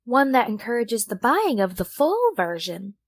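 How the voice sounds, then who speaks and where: Woman playing a lively-pitched female robot. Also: moderate pace. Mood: dry. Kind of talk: audio drama character acting.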